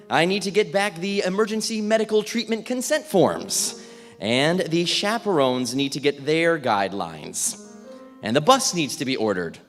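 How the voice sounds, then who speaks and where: A man playing an overworked, well-meaning fourth-grade teacher in a theatrical monologue, halting and emphatic, with asides. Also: on the high side, a bit bright. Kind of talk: theatrical monologue, dramatic stage reading. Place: reverberant indoor hall at a live reading. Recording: echoey hall, music behind.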